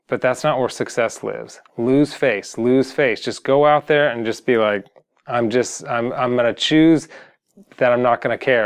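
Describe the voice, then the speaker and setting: Young male singing coach, smooth clear voice, earnest and rambling, talks straight to camera. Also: mid-range voice. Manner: earnest, rambling, many restarts. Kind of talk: casual motivational talk to camera.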